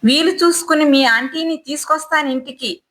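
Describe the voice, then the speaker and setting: A woman voicing a brisk, blunt old man in his seventies who talks quickly. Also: high voice, a bit bright. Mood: hearty.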